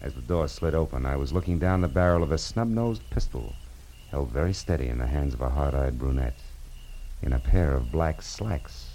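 An actor playing a wry, terse, hard-boiled American private detective in a vintage radio crime drama. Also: male voice, very deep voice, expressive, moderate pace, noisy background. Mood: wry narrating. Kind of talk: 1940s-50s radio noir narration and dialogue. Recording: vintage radio recording with music.

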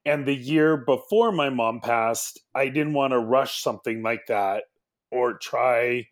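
A man's voice: mid-range voice, unhurried. A man telling a personal story casually as a podcast guest.

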